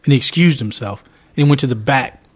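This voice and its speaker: A man's voice: medium pitch, quick pace, husky. A man co-hosting a podcast, telling a long story in casual chat, often repeating and restarting words as he retells what happened. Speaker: podcast co-host.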